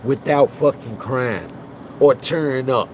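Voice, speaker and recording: A livestream host with a medium-pitched voice speaks slowly against a noisy background. His casual commentary is blunt, profane and emphatic, full of street talk.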